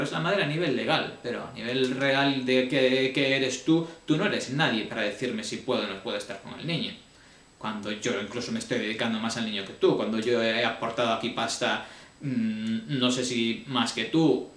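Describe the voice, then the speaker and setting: A man tells his own story in a colloquial, emotional way, full of restarts, sounding deeply upset. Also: fairly bright tone, echoey room. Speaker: vlogger. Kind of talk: confessional personal account.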